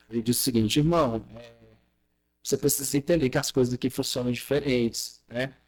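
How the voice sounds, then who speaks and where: The speaker talks at a fairly quick pace in a Cearense accent. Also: man. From Brazil, Fortaleza, Ceará. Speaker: pastor. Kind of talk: sermon.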